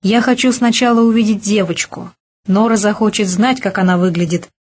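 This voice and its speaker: A woman voicing a gentle new father who speaks quietly and tenderly, in an audiobook. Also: mid-range voice, steady tone, a little fast, slightly rough, natural voice. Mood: eager. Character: anxious new father, gentle young husband.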